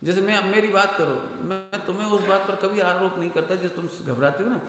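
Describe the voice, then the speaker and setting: A man's voice: sits high, fairly quick, fairly bright tone. A male Jain preacher giving a conversational sermon, asking the audience questions and using everyday examples. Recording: echoey hall with long reverb.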